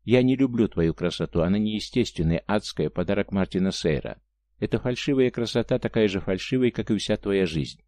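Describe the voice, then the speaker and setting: A man voicing a grim, gruff strong young man in an audiobook. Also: on the low side, expressive, a little fast, darkish tone, dry recording, lightly acted. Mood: agitated.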